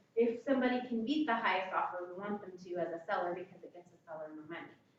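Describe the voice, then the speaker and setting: A woman's lively intonation at a fairly quick pace, with audible room echo and noticeable background noise. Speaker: real estate trainer. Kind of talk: training workshop. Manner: fast.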